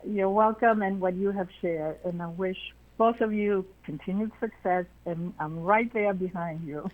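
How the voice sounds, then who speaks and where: A woman calling in to a radio show, giving halting praise to the host and guest. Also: medium pitch. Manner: warm praise, hesitant. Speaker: caller. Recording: tinny phone line.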